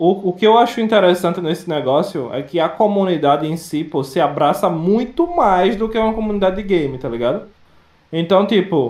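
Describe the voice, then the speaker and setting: A man speaks at a high pitch. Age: 20s. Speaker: Twitch streamer. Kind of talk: casual chat.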